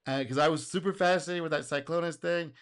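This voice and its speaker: A man hosting a casual reaction video, speaking in an animated way, laughing and acting out quotes, his voice going a little hoarse. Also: a little high, quick pace. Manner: animated, exclaims and laughs, acts out customer quotes. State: getting hoarse.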